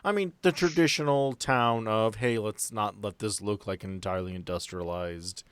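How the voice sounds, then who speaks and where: A man narrating a tabletop game as game master, setting scenes in a conversational, halting way. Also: fairly low pitch, fairly bright tone, clean tone, no room sound.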